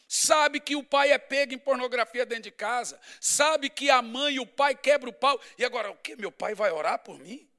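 A middle-aged male pastor, preaching an animated, humorous sermon that swings from loud to hushed. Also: very high-pitched, moderate pace, few pauses.

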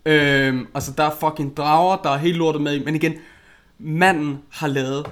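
A man's voice: a little high, fairly even intonation, a bit bright. Crude, blunt Danish man co-hosting. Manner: crude, blunt, many fillers and restarts. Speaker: podcast co-host reviewing a film. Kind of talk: casual chat.

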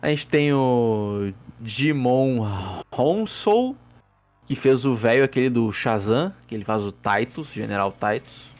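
A man's voice: medium pitch, expressive, slow pace, darkish tone. A man with a Brazilian Portuguese accent hosting a casual movie review podcast, sarcastic and profane, rambling with restarts. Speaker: podcast host. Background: faint background music.

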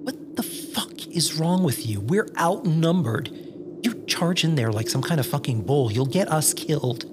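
A man playing a wary, exasperated wasteland survivor in a dark comedy audio drama, terse and cautious, with music behind. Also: a little high, lively intonation, measured pace, heavy background noise. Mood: scolding, alarmed. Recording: music under the voice.

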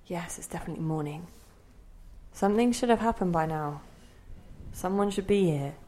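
A woman's voice: lowish voice, moderate pace, dark tone, natural voice. A woman acting an irritable old woman with dementia in an audio play, fretfully searching for words. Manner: impatient, fretful.

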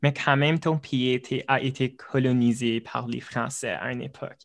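A man's voice: medium pitch, steady tone, normal speed, creaky. A young man hosting a podcast, chatting loosely and slipping into English mid-sentence. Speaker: podcast host. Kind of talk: casual podcast chat.

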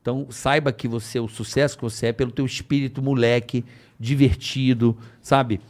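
A middle-aged man with a Brazilian accent hosting a podcast, reading sponsor spots and chatting in a lively, joking way. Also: medium pitch, moderate pace. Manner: lively, jokey, spells out sponsor names. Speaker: podcast host. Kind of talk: casual podcast chat with ad reads.

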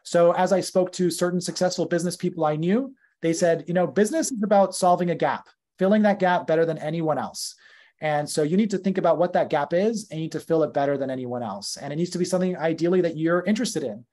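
A man in his thirties with a North American accent, speaking as a podcast guest. His voice sits slightly high for a man. He talks loosely and conversationally, with plenty of fillers and self-corrections. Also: fast talker, dark tone. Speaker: podcast guest, company founder. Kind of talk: casual podcast interview.

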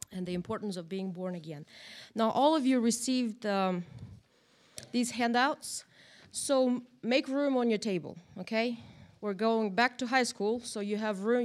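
A woman from Moldova, teaching a church Bible lesson to a group in a chatty way, often adding "right?". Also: fairly high pitch. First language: Russian or Romanian. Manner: chatty, animated, tag questions. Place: church room, in front of a group.

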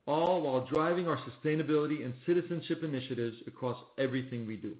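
Man on a muffled, echoey conference line. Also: fairly high pitch. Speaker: company executive on an earnings call. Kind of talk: scripted corporate presentation, read aloud. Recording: muffled phone-like line, roomy echo.

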